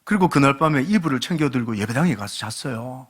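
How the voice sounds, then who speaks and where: A man in his late forties, a guest pastor delivering a sermon with humorous, animated storytelling. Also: medium pitch, fast, slightly rough. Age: late 40s. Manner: animated, humorous storytelling that acts out quoted dialogue.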